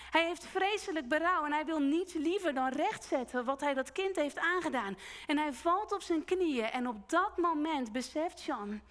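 A woman delivers a sermon in a high voice, carrying her congregation through a story at an earnest, unhurried pace. Her words linger in the long reverb of a church hall. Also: fairly bright tone. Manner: slow, earnest retelling with quoted voices. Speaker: preacher.

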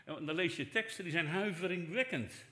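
A man's voice: sits high, a little fast. Older male pastor preaching in an echoey hall. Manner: conversational preaching, swinging between soft asides and raised emphasis. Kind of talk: sermon. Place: church hall.

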